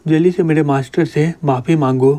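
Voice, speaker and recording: A man's voice: fairly high pitch, fairly even intonation, a little fast, dark tone, lightly acted. A man reading a fierce, scolding young noblewoman. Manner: scolding, commanding. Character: fierce young woman, loyal noble student.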